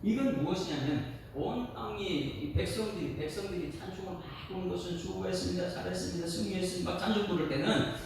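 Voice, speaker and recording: A man preaching a dawn service sermon as pastor, animated and acting out quoted voices. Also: sits high, brisk, few pauses, very echoey, far from the mic, noisy background.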